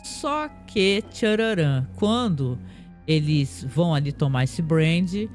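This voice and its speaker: High-voiced man recapping a film. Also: animated, takes it slowly, soft background music. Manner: chatty, frequent tag questions and restarts. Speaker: podcast host. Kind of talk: casual plot recap.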